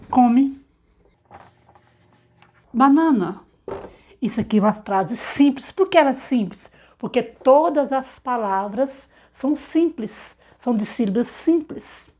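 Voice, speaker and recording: A woman, a literacy teacher explaining the steps to parents, asking herself rhetorical questions and slowly sounding out syllables and example words. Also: a little high. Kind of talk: instructional talk to parents.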